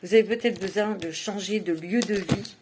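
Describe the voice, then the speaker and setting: A woman's voice: mid-range voice, normal speed. Woman, casual tarot reader, talkative and giggly, faint background noise. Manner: chatty, laughs often, many fillers like "hein". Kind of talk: casual monthly tarot reading.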